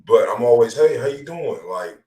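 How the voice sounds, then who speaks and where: Echoey, distant low-voiced Los man. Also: expressive, normal speed, warm tone. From Los Angeles area. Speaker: online show host. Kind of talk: casual slang-heavy chat. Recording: roomy echo, far from mic.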